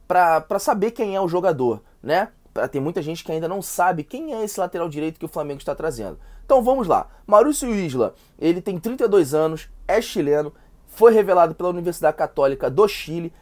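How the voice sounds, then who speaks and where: A man's voice: sits high, a little mellow. A man from Brazil with a Brazilian Portuguese accent who has a cold and sounds nasal, hosting a fan channel with chatty football news full of fillers and repeats. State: stuffy with a cold. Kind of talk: casual football news vlog.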